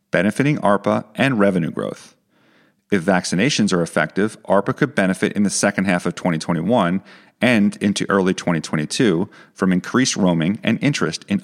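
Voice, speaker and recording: Male financial analyst, deep voice, formal and measured read of a prepared report. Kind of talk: scripted narration of an analyst report.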